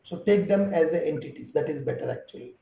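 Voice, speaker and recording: A male trainer with a high voice teaches an online class. He explains things patiently, one step at a time. His tone is mellow, and the room around him echoes. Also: expressive, fast talker, gravelly.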